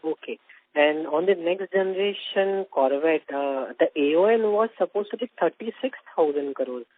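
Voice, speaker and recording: Higher-pitched Indian man on the phone. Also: moderate pace, dry recording. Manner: polite, businesslike. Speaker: financial analyst asking questions. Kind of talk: earnings call questions. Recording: narrow phone line.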